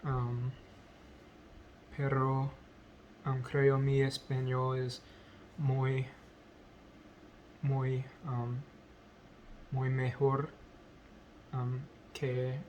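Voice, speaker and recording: A man whose first language is English, speaking in a halting vlog as a learner, full of pauses, ums and self-corrections. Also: medium pitch, completely flat delivery, a little mellow, slight background noise, rough recording. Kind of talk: halting unscripted speech practice.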